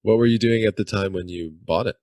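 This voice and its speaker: A man hosting a food and drink podcast, reading his intro and asking guests questions in a steady delivery. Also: lowish voice, fast, no echo. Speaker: podcast host. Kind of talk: scripted intro then interview questions.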